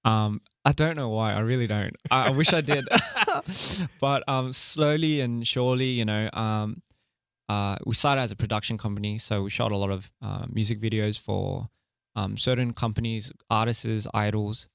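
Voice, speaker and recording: Young male interview guest: deep-ish, grainy, easygoing chatter, dry close sound. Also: moderate pace, gravelly, smooth, dry recording. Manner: relaxed and candid, many fillers and laughs. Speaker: interview guest, music artist and director. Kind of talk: casual interview chat.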